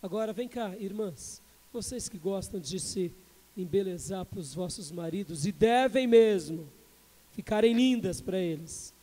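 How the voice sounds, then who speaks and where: Male pastor, high-pitched, dramatic sermon storyteller, reverberant sanctuary. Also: animated, unhurried, mellow. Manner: dramatic storytelling, acting out dialogue, rhetorical questions. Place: church sanctuary. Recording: reverberant church hall.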